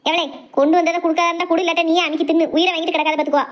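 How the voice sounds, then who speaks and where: A woman's voice: very high-pitched, level tone, very fast. A woman voicing a grumpy, irritable elderly village mother-in-law in a cartoon, with snappy Tirunelveli Tamil dialect speech. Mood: irritated. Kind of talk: cartoon family comedy dialogue. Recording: dull lo-fi sound.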